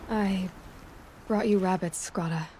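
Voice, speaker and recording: A woman's voice: medium pitch, steady tone, takes it slowly, mellow, slight background noise, lightly acted. An actress as a young hunter girl. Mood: kind. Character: young woman hunter, caring and direct. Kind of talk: game cutscene dialogue.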